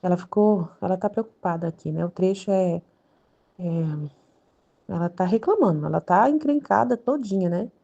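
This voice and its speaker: A woman's voice: medium pitch, moderate pace, creaky, warm tone, lo-fi sound. A woman with a Brazilian Portuguese accent who reads devotional texts and comments on them in a chatty way. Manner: chatty, with many filler tags. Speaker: channel host reading religious texts. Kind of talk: devotional reading with casual commentary.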